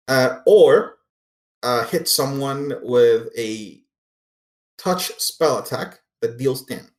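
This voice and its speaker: Casual male game master in an echoey room. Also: mid-range voice. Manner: casual, profane. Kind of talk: narrating a tabletop role-playing game. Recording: roomy echo, faint music behind.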